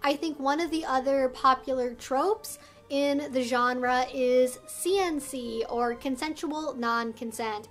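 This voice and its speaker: A woman's voice: sits high, fairly bright tone. A woman hosting an explainer vlog, speaking straight to viewers with careful, emphatic phrasing. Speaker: video host and educator.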